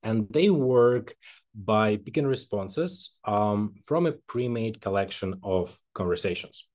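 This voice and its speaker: A young man from Kazakhstan giving an academic webinar presentation over a video call, pausing often with ums and uhs. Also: fairly low pitch, a little mellow. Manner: hesitant, frequent ums and uhs. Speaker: webinar presenter, postdoctoral researcher. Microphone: laptop mic on video call.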